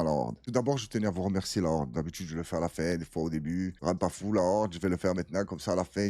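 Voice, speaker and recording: A man with a lowish voice hosts a casual reaction video, slangy and joking as he talks straight to his audience. The sound is dry and close, with faint music underneath. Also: darkish tone, no echo. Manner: slangy, joking, addresses viewers directly.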